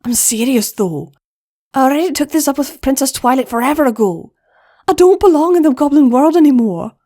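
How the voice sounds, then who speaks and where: A woman's voice: high voice, expressive, a little fast, pitched above the performer's own voice. Brusque goblin big sister with a put-on lilt, voiced by a woman narrator. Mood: earnest. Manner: brusque, teasing, softens to whispers. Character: tough older-sister female goblin mare.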